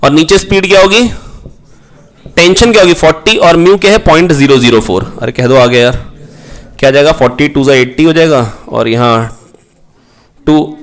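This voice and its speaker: Male physics tutor, somewhat high voice, repetitive and coaxing, full of questions to the class. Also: moderate pace, long pauses. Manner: coaxing, repeats key points, calls students "beta"; asks rhetorical questions, prompts answers. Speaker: physics teacher. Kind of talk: online exam-prep lecture.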